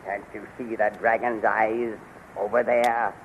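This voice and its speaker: An actor playing a domineering, impatient palace general barking orders in a 1930s radio serial. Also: male voice, lowish voice, little pitch movement, measured pace. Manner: commanding, impatient. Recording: muffled, noisy 1930s radio recording.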